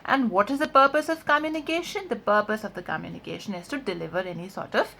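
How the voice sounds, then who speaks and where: A woman's voice: mid-range voice, creaky, bright, forceful tone. A woman with a mid-range voice speaks as an online coach giving a lesson. She is a non-native speaker of English. Her delivery is emphatic and explanatory, drawing out important words and regularly tagging phrases to check that the learner follows. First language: not English. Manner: emphatic, drawn-out key words, frequent check-in tags like "right?".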